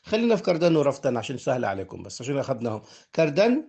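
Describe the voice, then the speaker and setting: A man's voice: medium pitch, very animated, racing, creaky, mellow, husky. A man with an Egyptian Arabic accent teaching a grammar lesson, explaining step by step, repeating each form and checking that his students follow.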